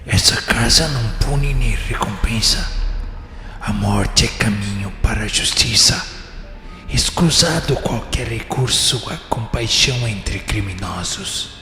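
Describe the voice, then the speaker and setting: An actor playing a merciless judge of the netherworld in a radio drama, declaiming pompously and solemnly to the condemned. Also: male voice, lowish voice, a little slow, pushed and bright. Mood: solemn, condemning. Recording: long cavernous reverb, music behind. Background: music.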